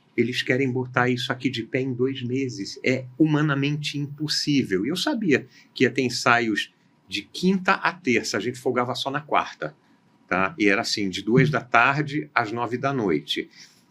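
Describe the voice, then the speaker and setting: A man talks at a moderate pace with a medium pitch and ordinary pitch variation. His tone is bright and sharp. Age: 60s. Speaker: voice actor. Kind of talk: casual chat. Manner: animated.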